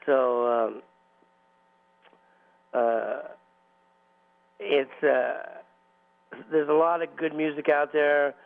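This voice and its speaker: Gravelly man hosting a radio show. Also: fairly high pitch, flat delivery, drawn-out words, pauses often. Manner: rambling, many fillers and restarts. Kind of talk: casual radio chat. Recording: tinny phone-like radio audio.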